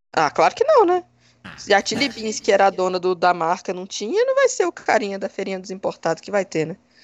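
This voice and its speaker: Speaking in a Brasília accent, a woman talks at a very fast pace. Her loudness swings a lot. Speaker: tabletop RPG group host. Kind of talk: casual chat. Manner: fast, nonstop talker.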